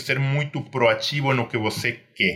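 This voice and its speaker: Speaking at a fairly slow pace, a man has a bright, sharp tone and a fairly high pitch. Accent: Argentine. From Argentina. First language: Spanish (speaking Portuguese). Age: 40s. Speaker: security industry executive. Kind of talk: podcast interview.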